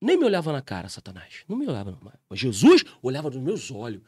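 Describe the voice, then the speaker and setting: A man giving a casual commentary monologue to his viewers, telling a story in an animated way and talking to them directly. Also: medium pitch, quick pace, breathy edge, dry recording, clean studio sound. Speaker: YouTube commentator.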